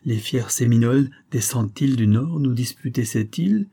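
A man's voice: mid-range voice, normal speed, warm tone, slightly rough. A man reading the lines of a proud tribal chief who speaks defiantly. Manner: defiant, challenging.

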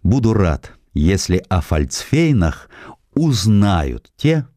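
A man reading historical essays as an audiobook narrator, measured and declamatory, with dramatic emphasis. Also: low voice, big pitch swings, dark tone, no echo, clean studio sound.

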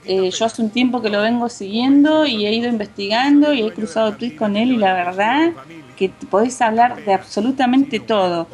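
A woman's voice: on the high side, normal speed, a little mellow. Argentine woman telling a story. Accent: Rioplatense Spanish. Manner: storytelling, hesitant with fillers and restarts. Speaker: co-host. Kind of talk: casual TV commentary chat.

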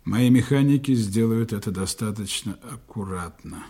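An actor playing a smooth, authoritative German agent giving orders to his team in a radio play, speaking in calm, clipped tones. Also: fairly low pitch, normal speed. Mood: commanding. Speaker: intelligence operative commanding a team.

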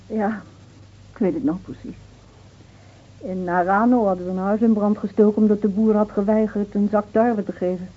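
An actress playing a bitter, grieving village wife in an intense, emotional radio drama. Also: female voice, mid-range voice, fairly even intonation, moderate pace, close to an everyday voice. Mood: subdued. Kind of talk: Dutch radio drama acting. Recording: muffled, phone-like old radio recording.

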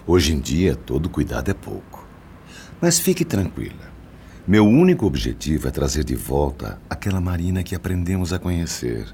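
An actor playing a respectable middle-aged Brazilian gentleman in a radio drama, speaking with formal, reassuring courtesy. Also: deep voice, sing-song, moderate pace, vocal fry, slight background noise, heavily acted. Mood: reassuring, courteous.

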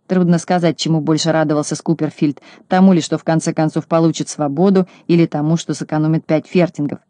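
Dry, even audiobook narrator. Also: mid-range voice, fast talker, no echo. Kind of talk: scripted narration.

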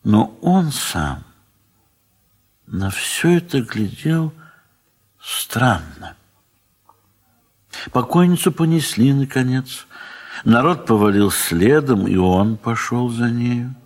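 A man narrating a literary audio drama in measured, dramatic phrases with long pauses. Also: mid-range voice, expressive.

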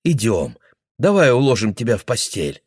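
A man voicing a caring daughter who calms her old father. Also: mid-range voice, normal speed, husky, dry recording, studio quality. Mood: reassuring. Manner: soothing, gentle. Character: caring middle-aged daughter, gentle.

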